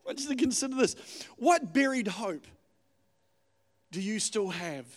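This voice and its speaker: Male preacher, middle-aged, New with influence. High-set voice, exhortatory, repetitive emphasis, long hall reverb. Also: sing-song, a little slow. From New Zealand. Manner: informal, exhortatory, repeats phrases for emphasis. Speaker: guest pastor. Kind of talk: sermon to a congregation. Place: church hall, speaking to congregation.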